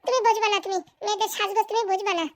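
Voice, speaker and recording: A woman's voice: very high voice, flat delivery, rapid-fire. A woman voicing a pert, insistent young married granddaughter in a comic cartoon. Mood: bossy, impatient.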